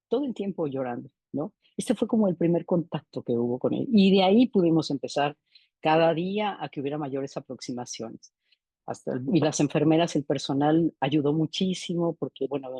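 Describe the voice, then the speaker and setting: A woman's voice: low voice, mellow, breathy edge, no echo. A middle-aged woman presenting a clinical case in a seminar, reflective and often ending phrases with a questioning "¿no?". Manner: reflective, tags sentences with "¿no?". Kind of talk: seminar lecture, case narration.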